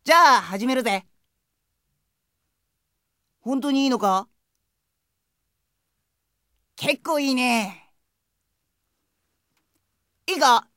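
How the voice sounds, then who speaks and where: A woman's voice: sits high, bright, forceful tone, dry recording, studio quality, full character voice. A woman playing a brash, friendly teenage boy in an anime game audio drama, talking in casual, cheeky slang like a teasing best buddy. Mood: breezy, cocky.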